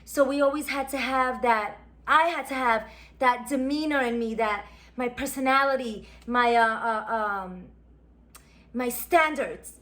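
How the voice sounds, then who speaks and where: A woman's voice: a little high, a little slow, a bit bright. A woman, chatting casually and reminiscing as she unboxes a subscription box. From New York. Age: 40s. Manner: chatty, reminiscing, musing aloud. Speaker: beauty vlogger.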